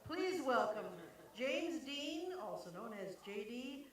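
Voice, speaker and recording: Female emcee, slightly high voice, loose and chatty, heard from afar through a noisy, echoing room. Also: very animated, slow pace. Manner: chatty, loose, laughing ad-libs. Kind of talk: live event hosting. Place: live benefit concert venue. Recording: distant, echoey hall with loud noise.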